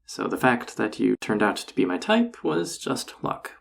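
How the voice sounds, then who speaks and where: A man playing a flirty, encouraging enchanter boss in an intimate roleplay audio drama, teasing and reassuring in a husky, gravelly voice. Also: fairly low pitch, very animated, normal speed, exaggerated voice. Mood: playful, flirty.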